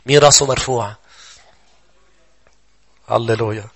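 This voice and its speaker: A man's voice: mid-range voice, steady tone, unhurried, husky. A man preaching a sermon with a Lebanese accent, emphatic and urgent as he addresses his congregation. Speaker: pastor.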